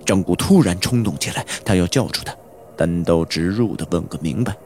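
A man narrating a horror audiobook in a slow, suspenseful storytelling manner. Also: sits low, animated, darkish tone, a little hiss or hum. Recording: audiobook with background music.

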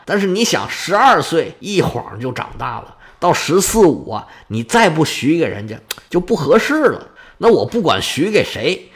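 A worried old king, voiced by a male storyteller sighs and grumbles with exasperation. The voice rides somewhat high and moves widely in pitch. It's a storybook telling, told in an everyday voice. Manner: sighing, exasperated complaining.

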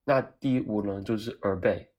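A man's voice: on the low side, moderate pace, slight background noise. Hong Kong man telling funny stories. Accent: Cantonese-accented Mandarin. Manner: animated, self-mocking, acts out dialogue. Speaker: vlogger. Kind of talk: comedic personal storytelling.

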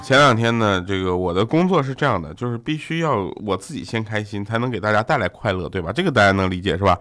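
A man's voice: lowish voice, animated, fast talker, a bit bright, faint music behind. Young male comic host, joking and laughing through anecdotes. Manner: jokey, laughs often, mimics family in quotes. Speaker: radio show host. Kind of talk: comedic storytelling chat.

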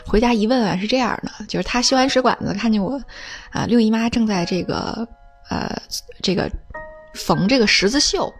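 A woman telling family anecdotes in a casual, humorous way, with many drawn-out filler particles between phrases. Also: fairly high pitch, soft background music. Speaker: storyteller recounting family anecdotes. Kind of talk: casual spoken storytelling.

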